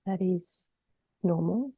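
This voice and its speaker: A woman guides a meditation in a lowish, very husky voice, gentle and slow to move on. Her phrases are soft and breathy, often sinking almost to a whisper. The sound is close and dry, with long pauses between instructions. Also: no echo.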